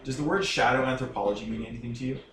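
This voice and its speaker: A man playing a tabletop game, talking things through casually in a halting, deliberative way. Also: mid-range voice, distant mic. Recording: echoey room, off-mic, faint noise.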